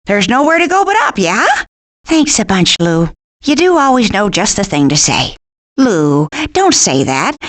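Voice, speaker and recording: A woman's voice: a little high, full character voice. A woman voicing a sweet, fretful porcupine mother in a video game, folksy and fussing, with an Upper Midwestern American accent. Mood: cheerful, reassuring. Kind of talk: animated video game character acting.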